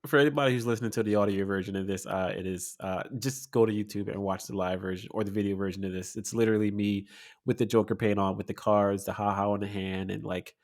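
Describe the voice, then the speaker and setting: Young male co-host, low-ish voice, easygoing chatter, quick to laugh, repeats himself. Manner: relaxed, laughs often, repeats words. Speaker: podcast co-host. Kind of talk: casual chat.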